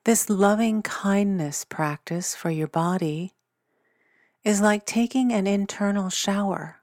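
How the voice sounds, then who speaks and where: A woman leading a guided body scan meditation in a gentle, soothing manner. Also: medium pitch, takes it slowly, dry recording, clean studio sound.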